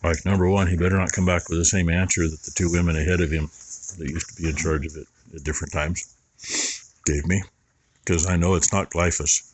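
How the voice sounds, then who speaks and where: A man's voice: low-pitched, level tone, a little fast, husky, poor audio. A man who farms, talking casually and plainly in a folksy, rambling way while filming outdoors. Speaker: farmer vlogger. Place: outdoors on a farm near a barn.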